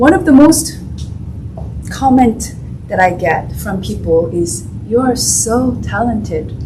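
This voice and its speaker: A woman speaks at a very slow pace, leaving long, frequent pauses. Room echo is audible, and background noise is noticeable. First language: not English. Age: 40s. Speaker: classical pianist and author. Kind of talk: author talk. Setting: library event with audience.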